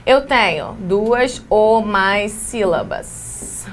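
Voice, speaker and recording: A woman's voice: medium pitch, extremely slow, a little hiss or hum. A woman with a Brazilian Portuguese accent giving an exam-prep English lesson, explaining step by step and checking in often with her students. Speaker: English teacher.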